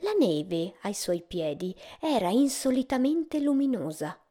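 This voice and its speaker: Gentle woman reading a fairy tale. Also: mid-range voice, very animated. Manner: gentle, measured storytelling. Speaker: storyteller. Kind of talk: storybook narration.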